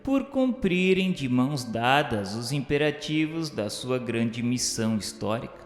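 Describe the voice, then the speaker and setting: A man's voice: medium pitch, very animated, measured pace. A man with a Brazilian accent narrating a scripted radio drama in a solemn, formal, literary way. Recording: echoey long reverb, music behind. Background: music.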